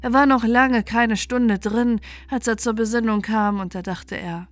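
A woman reading a bedtime fairy tale as an expressive, measured storyteller. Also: fairly high pitch, no echo.

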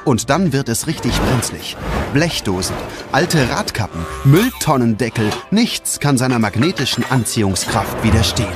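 Lively male audiobook narrator. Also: mid-range voice, normal speed, over loud music. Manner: dramatic storytelling. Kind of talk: scripted storybook narration for children.

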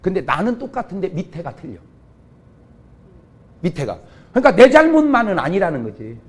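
A middle-aged man, a pastor, preaching a comic revival sermon, jumping from quiet asides to sudden shouts. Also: high-pitched, huge pitch swings, normal speed. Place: church revival meeting.

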